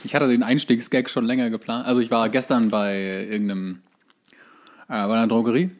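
A man's voice: mid-range voice, flat delivery, a little fast. A man co-hosting a casual podcast, explaining and dryly joking while sounding like he is chewing. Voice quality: chewing, speaking with mouth full. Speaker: podcast co-host. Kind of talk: casual chat.

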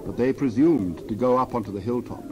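A man's voice: medium pitch, fairly quick. A man narrating a dramatized Bible reading in a solemn, formal, scripted manner. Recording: dull sound, faint noise, birdsong behind.

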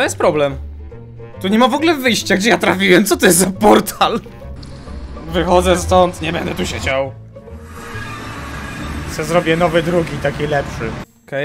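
A young man hosting a gaming channel, giving casual let's-play commentary and jumping into high yelps whenever he gets startled. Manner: excitable, jumps to high-pitched yelps when startled. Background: game music.

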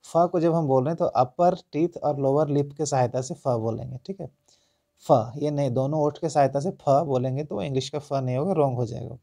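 A man with an Indian accent teaching English pronunciation, explaining slowly and reading example sentences word by word with stress. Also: mid-range voice, creaky, dark tone, no room sound, studio quality. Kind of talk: spoken English lesson in Hindi.

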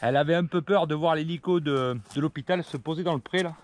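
A man's voice: a little high, quick pace. A man in his forties, a tree surgeon vlogging to camera outdoors in a rural garden, chatty and joking with viewers and clients. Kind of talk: casual vlog talk to camera. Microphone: action camera held at arm's length. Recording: faint outdoor background noise.

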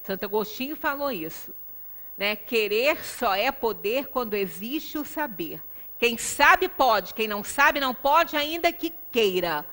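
A middle-aged woman with a Brazilian accent delivers a spiritual talk in a high, forceful voice. She takes her time, stressing points and adding little rhetorical check-ins. The sound rings with long room reverberation. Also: animated, unhurried. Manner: emphatic, with frequent rhetorical tag questions. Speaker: lecturer at a Spiritist center. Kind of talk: religious lecture, explanatory and conversational. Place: small indoor lecture room. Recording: reverberant meeting room, distant microphone.

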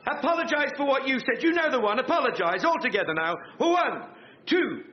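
An actor playing a pompous, bossy would-be Prime Minister with an English accent, blustering colloquially in a radio sitcom. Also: male voice, very high voice, expressive, brisk, noisy background. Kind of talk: radio sitcom acting before an audience. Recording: muffled, with studio audience laughter.

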